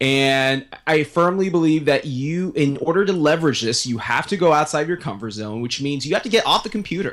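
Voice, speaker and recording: An unremarkable speaking voice moves at a fairly quick pace with lively intonation and hardly any pauses. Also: man, fairly high pitch for a man. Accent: General American. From US (Florida). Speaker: podcast co-host. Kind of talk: interview.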